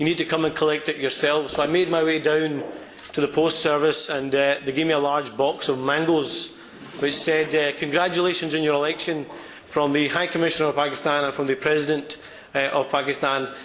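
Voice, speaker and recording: This man talks very fast in a fairly high pitch, with a Scottish accent. His intonation is monotone and flat, and noticeable background noise sits behind him. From Scotland, Glasgow. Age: 20s. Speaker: politician. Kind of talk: speech.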